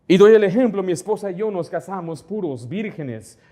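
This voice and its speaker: A man with a notably high voice preaches from the pulpit of a church. He is middle-aged and keeps the congregation engaged with rhetorical questions. He acts out remembered conversations as he goes. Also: expressive, normal speed, dark tone. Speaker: pastor. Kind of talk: sermon.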